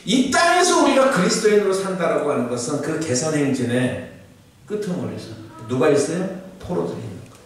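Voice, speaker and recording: A middle-aged male pastor preaches with a fairly high voice, asking his listeners question after question in a chatty sermon. He sounds far from the microphone, and his words ring through a very echoey church hall. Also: big pitch swings, fairly quick. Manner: conversational preaching with rhetorical questions to the congregation. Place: church sanctuary.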